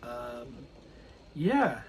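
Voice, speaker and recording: A man's voice: medium pitch, very animated, drawn-out words, background noise. A man casually vlogging about his model railway hobby, rambling and correcting himself with many ums. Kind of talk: casual unboxing chat.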